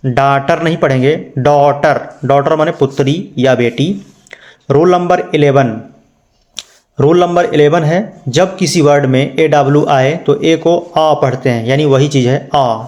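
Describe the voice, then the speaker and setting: A man's voice: on the high side, fairly even intonation, normal speed, darkish tone. A man teaching an English pronunciation lesson, spelling words out letter by letter and asking his students questions. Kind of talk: spoken lesson.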